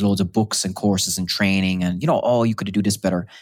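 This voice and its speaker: A man with an Irish accent talks at a fairly quick pace. His pitch is fairly low, with ordinary variation. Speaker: sales executive. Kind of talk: casual interview chat. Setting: working from home, remote.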